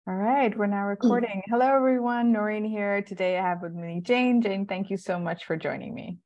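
A woman hosting a podcast, reading a measured intro and asking friendly questions on a remote call. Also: medium pitch, darkish tone, muffled recording. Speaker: podcast host. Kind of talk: scripted intro and interview questions.

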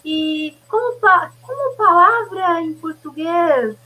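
A woman chatting on a video call, telling a story in an animated way. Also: very high-pitched, slow, low-quality recording. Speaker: live stream participant. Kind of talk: casual chat on a video call.

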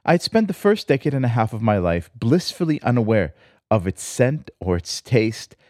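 A man's voice: medium pitch, sing-song, moderate pace, a little mellow, no echo, studio quality. A man from Israel, the host, reading a reflective personal essay in a wry, lyrical storytelling manner. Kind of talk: scripted personal essay narration.

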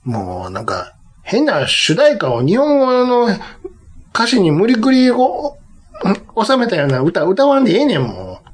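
Kansai man, teasing and lively. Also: sits high, measured pace, a little hiss or hum. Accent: Kansai Japanese. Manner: teasing, banter with laughs. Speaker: podcast host. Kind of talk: casual chat.

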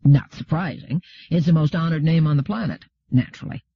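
Man doing a brash, husky settler trader. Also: fairly high pitch, brisk. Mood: matter-of-fact. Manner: laconic, informal, self-assured. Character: brash, cheeky, well-travelled male settler trader. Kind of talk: audiobook character dialogue. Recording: roomy, dull lo-fi audio.

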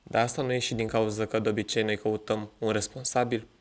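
A man in casual podcast chat, calmly adding his own counterpoints. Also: lowish voice.

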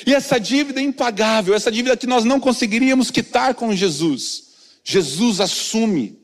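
A male pastor preaching a sermon earnestly, dropping to soft low tones for emphasis. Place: church. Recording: long hall reverb from a church.

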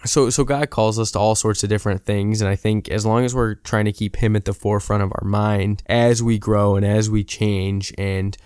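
Low, steady young man. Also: normal speed, few pauses, clean tone, dry recording, studio quality. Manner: calm, affirming. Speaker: podcast co-host. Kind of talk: faith podcast conversation.

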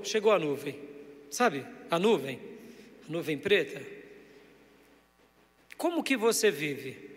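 High-voiced, slow-preaching man. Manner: slow, emphatic preaching, drawing out key words; addresses congregation directly with questions. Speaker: pastor. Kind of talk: sermon. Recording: church hall reverb.

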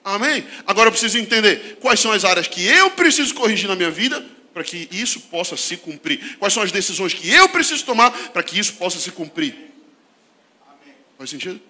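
Lively, bright-voiced Brazilian pastor preaching. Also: male voice, sits high, a little fast. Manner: animated preaching, swinging between shouted emphasis and hushed asides, laughing often. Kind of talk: sermon.

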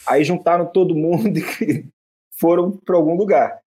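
A man's voice: a little high, normal speed, warm tone, slightly rough. A man hosting a history show, explaining battles in a casual lecturing way and often stumbling over repeated syllables and restarts.

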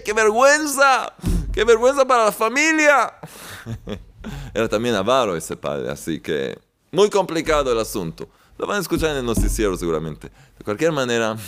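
Male spiritual teacher, unhurried and resonant, repetitive and jovial. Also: mid-range voice, clean tone. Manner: warm-hearted, repetitive, chuckling often. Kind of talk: sermon-like talk with jokes.

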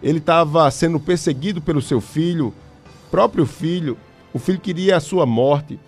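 A man's voice: a little high, normal speed, faint music behind. A man preaching a fervent radio sermon as pastor, calling out hallelujahs again and again.

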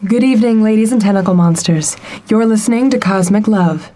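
A woman's voice: medium pitch, fairly quick, dark tone, a little hiss or hum, close to an everyday voice. A woman voicing a brassy female sex-advice radio host on a space station, speaking in polished, sassy on-air patter in a comedy audio drama.

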